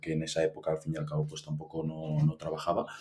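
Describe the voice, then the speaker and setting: A man with a Barcelona accent speaks in a dark, mellow tone with lively intonation. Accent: Barcelona accent noticeable. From Barcelona, Spain. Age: 20s. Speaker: sports betting tipster. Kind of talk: interview.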